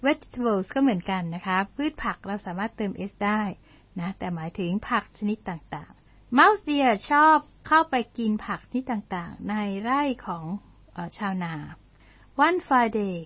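Give me a slow, careful woman teacher reading a story. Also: medium pitch, lively intonation, breathy edge, no echo, muffled recording. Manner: explains words and spells them out letter by letter; frequent polite particles, slow careful reading. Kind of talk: bilingual storytelling lesson.

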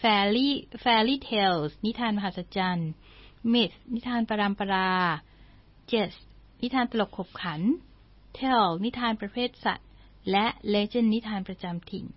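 A woman's voice: mid-range voice, no echo, lo-fi sound. A woman teaching English through a story, reading lines aloud, then explaining and spelling out words in a polite, patient manner. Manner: frequent polite particles, slow careful reading. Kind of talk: bilingual storytelling lesson.

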